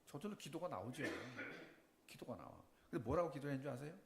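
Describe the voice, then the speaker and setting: A middle-aged man giving a sermon testimony, telling his story with lively questions to the congregation. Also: a little high, fast talker, gravelly. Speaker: preacher. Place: church. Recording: echoey church room.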